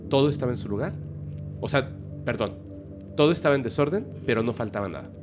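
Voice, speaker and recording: A man, a podcast guest telling an eerie story in a lively, casual storytelling manner. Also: mid-range voice, fast, music in the background. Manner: animated, vivid storyteller.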